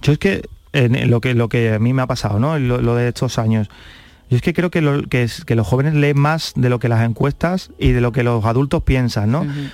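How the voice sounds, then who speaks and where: Man with a normal speaking voice: medium pitch, ordinary pitch variation, moderate pace. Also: very even loudness. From Andalusia, Carmona (Seville). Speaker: novelist. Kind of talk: interview.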